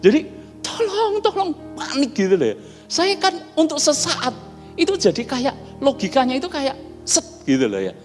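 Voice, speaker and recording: A man's voice: extremely high pitch, wildly swooping pitch, normal speed. A man preaching a sermon, telling anecdotes and often addressing his listeners directly. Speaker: pastor. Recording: hall reverb with faint music behind.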